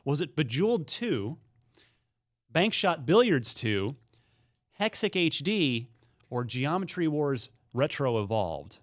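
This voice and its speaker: A man's voice: on the high side, sing-song, slow. A man hosting a casual gaming talk show, chatting and running quiz questions with his panel. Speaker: podcast host, trivia quizmaster.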